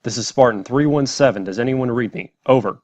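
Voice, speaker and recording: A man's voice: medium pitch, brisk, darkish tone, close to an everyday voice. A man playing an armored soldier making a clipped, formal military radio call for a reply. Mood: urgent, formal. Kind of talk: military radio transmission acting.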